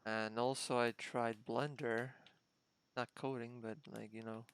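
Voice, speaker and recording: A young man speaking English as a second language, chatting casually on a developer livestream through a headset, halting and searching for words. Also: mid-range voice, flat delivery, clean tone. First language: a Slavic language close to Czech. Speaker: game developer.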